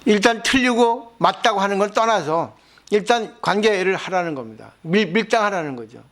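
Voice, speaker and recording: High-voiced monk giving a scripture lecture. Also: male voice, expressive, normal speed, a bit bright. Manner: asks the audience rhetorical questions; explains with everyday examples.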